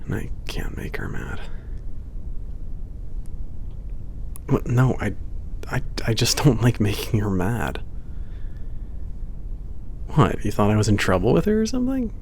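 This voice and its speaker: A man playing a gruff but easygoing werewolf mechanic in an intimate ASMR roleplay, talking in a casual, halting, sweary murmur. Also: fairly low pitch, big pitch swings, slight background noise. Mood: defensive, gruff. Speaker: ASMR voice actor. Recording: loud music under close-up voice. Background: loud music.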